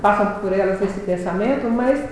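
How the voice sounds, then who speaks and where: A woman giving a reflective religious talk, reading scripture aloud slowly and solemnly. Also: medium pitch, darkish tone. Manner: reads scripture aloud in a slow, solemn cadence. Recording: very echoey hall.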